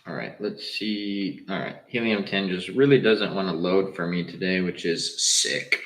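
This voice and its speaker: A man's voice: sits low, measured pace, fairly bright tone, roomy sound, low-quality recording. A young man from Southern California with a Southern Californian accent, hosting a casual livestream and talking loosely and straight to his viewers. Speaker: livestream host.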